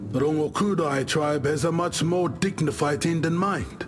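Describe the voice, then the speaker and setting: An actor playing an easygoing tribal warrior chieftain from the islands, telling tales in a wry, expressive way as video game dialogue. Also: male voice, a little high, moderate pace, lightly acted. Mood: solemn, assured. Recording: music behind the voice. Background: game music.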